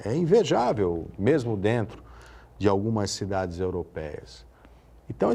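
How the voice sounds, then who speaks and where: A man from Santos speaks as a guest on a television talk show. His voice has a gravelly, slightly husky edge, and he talks passionately, stacking up emphatic comparisons. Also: fairly low pitch, warm tone. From Santos, Brazil. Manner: passionate, builds to emphatic lists. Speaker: city official guest.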